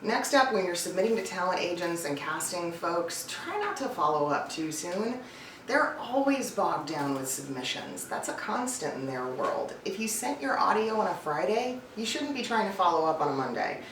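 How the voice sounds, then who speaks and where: A casting director and voice-over coach talks to camera on her advice vlog, her fairly low voice swinging widely in pitch at a normal speed. The delivery is informal, chatty, and emphatic, though it feels scripted, and the room echoes around a distant mic with faint noise.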